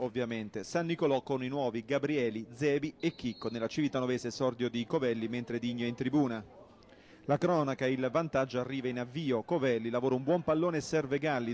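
A man narrating a football match report in a brisk, emphatic scripted voice-over. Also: medium pitch, a little mellow. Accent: Italian. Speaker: sports reporter.

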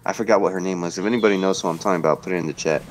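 A young man in his twenties chats loosely on a home livestream, dropping slang and reading viewer messages aloud. His voice sits very low. He sounds relaxed and talkative in front of a webcam. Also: very fast, slight background noise. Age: 20s. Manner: laid-back slangy banter, reads chat aloud. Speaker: livestream host. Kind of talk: casual livestream chat. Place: indoor home room, webcam stream.

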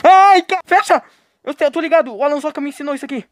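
His voice is very high and quick-paced, recorded at studio quality with no echo. The young Brazilian Portuguese-accented streamer comments live on a horror game, joking with chat and letting out panicked yelps.

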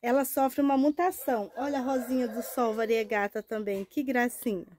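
Hoarse Brazilian-born woman with a lapel mic. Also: fairly high pitch, steady tone, moderate pace, darkish tone. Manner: chatty and affectionate, tag questions and diminutives. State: hoarse from a cold. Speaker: succulent grower. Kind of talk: casual plant-care vlog. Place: shaded plant nursery greenhouse, outdoors. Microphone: wired lapel mic.

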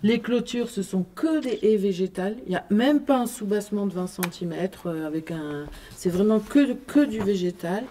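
A woman walks a small group through a planning design in a meeting room, pausing often and restarting her sentences. Her voice is mellow and dark, recorded by a camera a little way off, with faint background noise. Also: medium pitch. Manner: hesitant, many fillers and restarts. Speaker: urban planner presenting a design. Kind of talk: explaining a plan around a table. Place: meeting room, group standing round a table.

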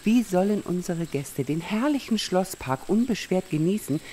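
A genteel queenly mother played by a woman in an audio play. Her voice is mellow and swoops expressively, indulgent and theatrical, with faint ambience behind it. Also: lowish voice, animated, normal speed, a little hiss or hum, natural voice. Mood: scolding. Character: doting royal mother, genteel maharaja's wife. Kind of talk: audio drama acting.

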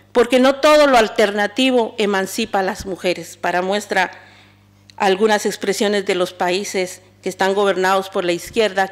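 A woman delivers a deliberate, declamatory speech as a feminist. She carries a middle pitch and dwells on each phrase. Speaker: feminist speaker. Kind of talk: public speech.

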